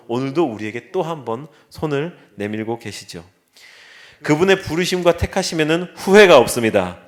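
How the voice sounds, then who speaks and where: A man preaching a sermon as pastor in a church, earnest, with wry quips and acted asides. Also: a little high. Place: church sanctuary.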